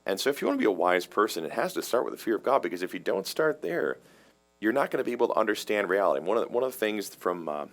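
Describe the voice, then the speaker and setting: A man with a very deep, low voice talks theology as a pastor in relaxed conversation. He explains things earnestly and often circles back, restarting and repeating words mid-thought. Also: very fast. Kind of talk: casual theological discussion.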